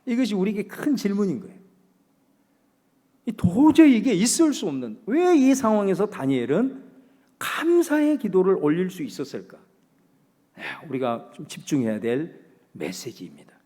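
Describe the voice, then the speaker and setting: A man preaching in a high-pitched voice, moving from loud, ringing declarations to near-whispers. His words ring out in a long church reverb. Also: big pitch swings, normal speed, pauses often. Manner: dramatic preaching, swinging between loud proclamation and hushed speech. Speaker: pastor. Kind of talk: sermon.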